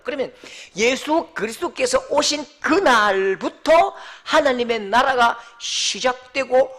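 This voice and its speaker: A middle-aged man with a Gyeongsang accent preaching a Christmas sermon as pastor, mixing joking asides with loud proclamations. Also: very high-pitched. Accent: Gyeongsang Korean. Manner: jokey asides, then loud proclaiming outbursts.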